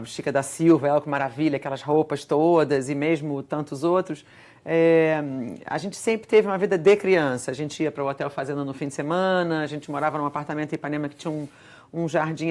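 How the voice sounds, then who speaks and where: A middle-aged woman from Rio de Janeiro with a notably low voice, answering interview questions in a TV studio. She speaks thoughtfully and measuredly, often pausing and restarting her sentences. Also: darkish tone. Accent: Brazilian Portuguese, Rio de Janeiro. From Brazil. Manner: reflective, measured, with many restarts. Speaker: guest, screenwriter and editor. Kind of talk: interview conversation. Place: television studio.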